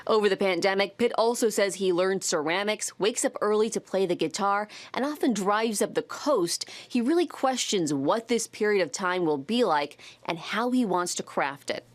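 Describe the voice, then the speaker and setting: A woman correspondent narrating a news report in a measured, even way. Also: medium pitch, no echo.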